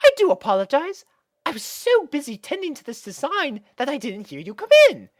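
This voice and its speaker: A woman's voice: high voice, big pitch swings, a little fast, no echo, studio quality, voice pushed up. A woman voicing a refined female pony dressmaker in a storybook reading, fussy and gracious, with an affected, formal, dramatic manner.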